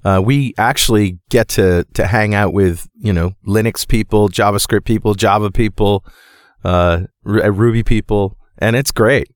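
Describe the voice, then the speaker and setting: A man's voice: fairly low pitch, normal speed, dry recording, studio quality. A man hosting a podcast, upbeat and jokey in casual chat, introducing the guest. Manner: jokey, upbeat, fond of asides. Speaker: podcast host.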